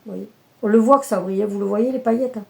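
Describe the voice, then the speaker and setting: A woman from France chats casually about her embroidery projects. Her voice is mellow and warm, at an ordinary pitch for a woman. She hesitates often and corrects herself mid-sentence. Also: fast, creaky. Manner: hesitant, many fillers and self-corrections. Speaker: cross-stitch vlogger. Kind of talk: casual show-and-tell chat.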